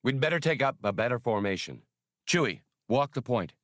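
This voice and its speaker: A man's voice: mid-range voice, very animated, normal speed, a bit bright, no room sound, studio quality. A man voicing a brash, decisive spaceship captain in an audiobook, terse and commanding with a wry edge. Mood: grim, commanding. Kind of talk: audiobook character voice.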